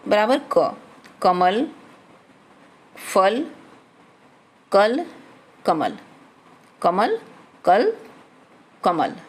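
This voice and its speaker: A woman teaching a children's grammar lesson, reading out letters and example words one at a time. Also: on the high side.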